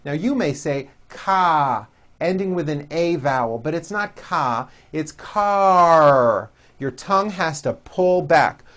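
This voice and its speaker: A man teaching English pronunciation, modeling words and sentences slowly and deliberately for learners to repeat. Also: fairly high pitch, lively intonation. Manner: slow, deliberate, over-articulated model words. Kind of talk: pronunciation drill lesson.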